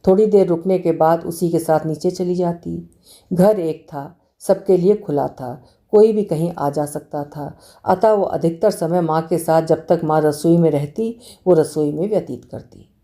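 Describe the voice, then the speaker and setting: Woman, storyteller, dark mellow tone, lowish voice, measured expressive reading. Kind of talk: reading a short story aloud.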